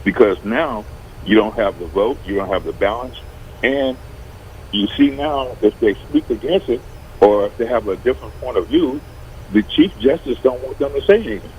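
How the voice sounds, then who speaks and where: A man on a radio talk show panel, asking questions in measured, deliberate phrases. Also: mid-range voice, a little mellow, a little hiss or hum, low-quality recording.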